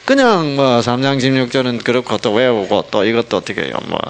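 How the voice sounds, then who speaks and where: A man preaching a sermon, asking the congregation constant rhetorical questions and dropping from loud emphasis to hushed asides. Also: medium pitch, animated, brisk, slight background noise. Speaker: pastor.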